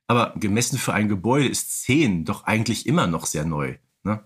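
A man's voice: fairly low pitch, lively intonation, a little fast, husky. Emphatic man chatting on a podcast. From Ruhr area, Germany. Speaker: podcast co-host. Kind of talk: casual humorous podcast discussion.

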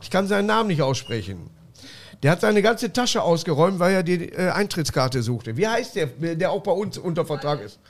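A man's voice: fairly high pitch, very animated, moderate pace. A man hosting a comedy talk show, joking casually with his guest and a live audience. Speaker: podcast host.

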